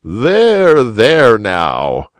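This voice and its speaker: A man voicing a polite, kind old rabbit gentleman in a gentle, fussy way. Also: medium pitch, huge pitch swings, drawn-out words, no echo, pitched above the performer's own voice, exaggerated voice. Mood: kindly.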